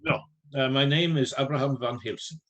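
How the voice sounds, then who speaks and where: An actor playing a grave, learned vampire hunter, an elderly professor who speaks in measured, formal, theatrical phrases for a radio play. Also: male voice, mid-range voice, fairly even intonation, fairly bright tone, close to an everyday voice. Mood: gentle, solemn. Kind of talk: theatrical radio drama acting.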